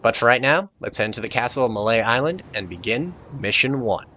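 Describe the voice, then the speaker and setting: Bright-voiced man doing game commentary. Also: medium pitch, lively intonation, fairly quick, dull audio, slight background noise. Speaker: video game let's play host. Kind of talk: casual gameplay commentary.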